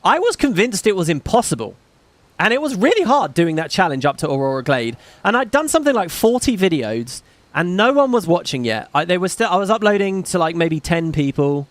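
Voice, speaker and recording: A man hosting a casual gaming stream with a slight British lilt, rambling and self-deprecating, dropping curses between viewer comments. His voice sits a little high for a man. It is recorded close and dry, with no room sound. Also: very animated, fairly quick, dry recording. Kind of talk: casual livestream chat reading donations.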